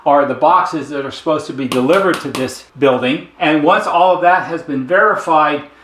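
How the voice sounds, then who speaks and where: Higher-voiced man explaining in an echoey room. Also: moderate pace, a bit bright, slight background noise. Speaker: intercom service technician and presenter. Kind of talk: casual explainer talk with a diagram. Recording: echoey, roomy sound.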